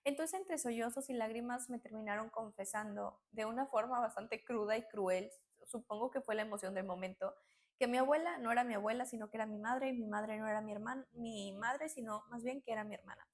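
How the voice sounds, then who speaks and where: A woman narrating a personal story in an animated way, acting out quotes. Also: fairly high pitch, a little fast. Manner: animated, acts out quotes, many fillers.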